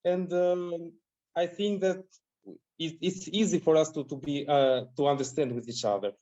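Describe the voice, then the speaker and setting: Young man, Albanian accent, video call discussion, fairly high voice, lo-fi laptop audio, halting delivery. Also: steady tone, warm tone. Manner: hesitant, many fillers and restarts. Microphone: laptop mic on video call.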